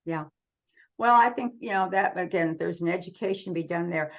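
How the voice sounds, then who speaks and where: A middle-aged American woman who publishes a radio trade magazine is a guest in a conversational interview, explaining things earnestly. Her voice is fairly low and brisk, and the audio sounds dull.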